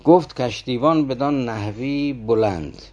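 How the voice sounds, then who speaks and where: A man's voice: medium pitch, a little mellow. A man teaching a classical verse story, explaining its meaning and turning often to his listeners with rhetorical questions. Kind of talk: didactic talk explaining verse.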